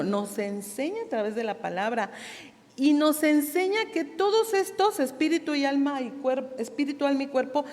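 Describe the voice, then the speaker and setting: High-voiced Mexican woman preaching in a hall. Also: a little mellow. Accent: Mexican Spanish. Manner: asks the audience frequent questions; laughs often between points. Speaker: women's meeting preacher. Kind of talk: sermon teaching. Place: church hall. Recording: long church hall reverb.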